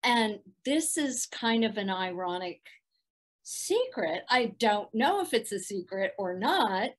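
A middle-aged woman with a soft, soothing voice, chatting as a guest in a video-call interview from a room at home, laughing often. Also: mid-range voice, big pitch swings, slow pace. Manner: warm, laughs often, thoughtful. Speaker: voice actress guest.

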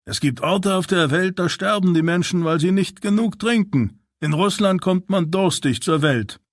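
A man doing a jovial grinning soldier, raised pitch. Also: normal speed, dry recording, clean studio sound. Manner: cheerful, joking. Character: jovial stocky male soldier, always grinning. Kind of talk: audiobook character voice.

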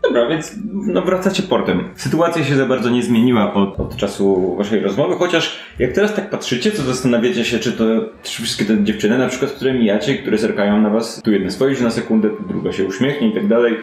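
A man's voice: medium pitch, animated, fairly quick, hardly any pauses, darkish tone, slight background noise. A man improvising narration as game master of a tabletop role-playing game, conversational and hesitant in his phrasing. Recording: roomy sound with faint music.

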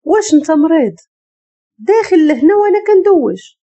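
A woman with a Moroccan accent voicing a frightened but defiant young wife, pleading and indignant, her voice raised high. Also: sing-song, fairly quick, dark tone, breathy edge.

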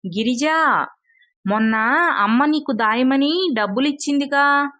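A woman's voice: high-pitched, unhurried, a bit bright, voice pushed up. A woman voicing a young male farmer, a brusque and matter-of-fact husband in a told folk tale.

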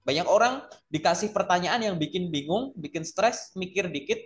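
A man's voice: high voice, lively intonation, moderate pace. A man coaching on job interviews in a casual talk, explaining points by acting out sample answers. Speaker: career coach.

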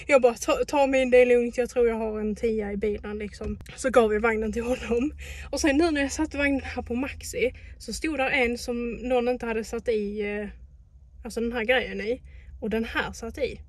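A woman's voice: a little high, fairly even intonation, no echo. A young woman vlogging in casual chat about her shopping, talking freely and swearing when annoyed.

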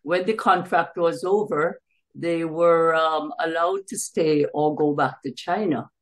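Over a video call, a low-voiced older woman from Jamaica, roughly in her seventies, shares her family history with an interviewer. An author by trade, she speaks haltingly with long gaps. She's sitting in a small, bright room at home, recorded on her computer's mic.

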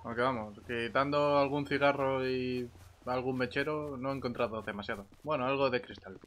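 A man's voice: medium pitch, normal speed, fairly bright tone. Hesitant man chatting in a game, noisy background. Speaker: streamer playing a roleplay game. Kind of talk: casual in-game roleplay chat.

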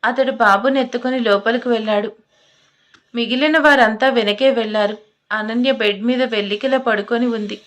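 A woman's voice: a little high, fairly even intonation, moderate pace. A woman narrating a romantic audio story in an emotive, scripted storytelling manner.

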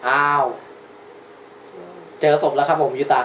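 A man's voice: measured pace, fairly bright tone. A man doing a casual reaction commentary, blurting out surprise and slang as he watches. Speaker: anime reaction host. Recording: roomy with faint background noise.

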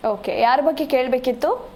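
Woman host taking calls, brisk and to the point, bit high voice, faint hiss behind. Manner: brisk, businesslike questions. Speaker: show host. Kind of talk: live TV call-in hosting.

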